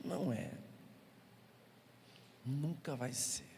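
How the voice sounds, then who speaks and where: A man's voice: medium pitch, very slow, vocal fry, warm tone, slight background noise. A male pastor with a Brazilian Portuguese accent, preaching a sermon and telling humorous stories to the congregation. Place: church hall. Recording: reverberant church hall.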